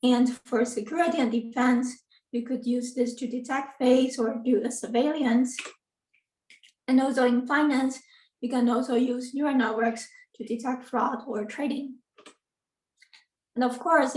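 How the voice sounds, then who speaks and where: A woman's voice: on the high side, darkish tone. A woman in her thirties from Taiwan, giving an academic talk on a video call, earnest and full of ums and self-corrections. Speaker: guest lecturer, assistant professor. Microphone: video call computer mic. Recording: roomy, distant from the mic.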